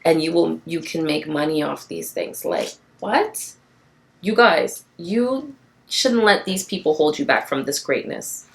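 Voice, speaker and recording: Woman, low gravelly voice, tired rasp; passionate, encouraging tarot reader talking to camera. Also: animated, a little slow. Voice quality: raspy from tiredness. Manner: passionate, encouraging, repeats phrases for emphasis. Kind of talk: casual spiritual card reading to camera.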